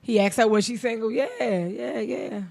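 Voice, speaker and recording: A woman in her thirties hosts a talk radio show with a gravelly, fry-edged voice. She talks in a blunt, chatty way and laughs often. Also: a little high, steady tone, moderate pace, a little mellow. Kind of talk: casual chat.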